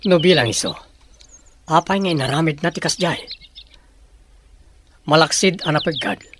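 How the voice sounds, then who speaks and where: An earnest tribal son bent on revenge in a film drama acted by a man. His voice is slightly high, with faint noise and birdsong behind it. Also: lively intonation, moderate pace, fairly bright tone. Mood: troubled, questioning. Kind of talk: dramatic dialogue in an Ilocano film.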